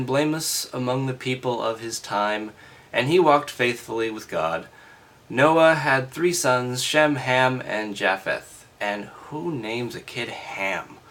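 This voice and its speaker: A man with a halting, freshly woken delivery, reading aloud casually and breaking off for wry, skeptical commentary. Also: mid-range voice, animated, a bit bright. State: just woke up.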